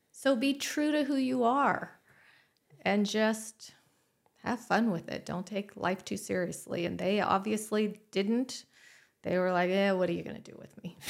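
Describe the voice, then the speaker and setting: Here is an unremarkable speaking voice at a fairly slow pace. It shows ordinary pitch variation and big swings in loudness. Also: woman, medium pitch for a woman. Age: 50s. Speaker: podcast guest discussing a book. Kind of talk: casual chat.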